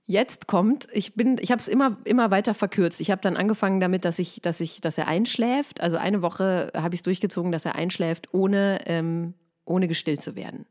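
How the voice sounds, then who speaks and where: Lebhaft erzählende Frau im Podcastgespräch. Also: female voice, on the low side, moderate pace. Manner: lively storytelling, acting out quoted people. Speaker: podcast co-host. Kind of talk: casual chat.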